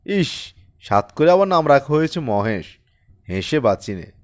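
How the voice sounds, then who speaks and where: A man voicing a haughty, callous Brahmin priest in an audiobook story, with sharp taunts and contemptuous commands. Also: mid-range voice, sing-song, a little slow, no room sound. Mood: mocking.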